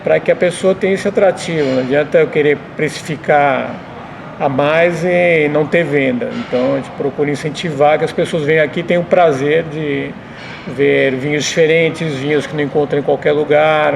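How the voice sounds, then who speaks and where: Higher-voiced São man, creaky. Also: a little hiss or hum. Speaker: restaurant owner being interviewed. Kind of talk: conversational interview answers.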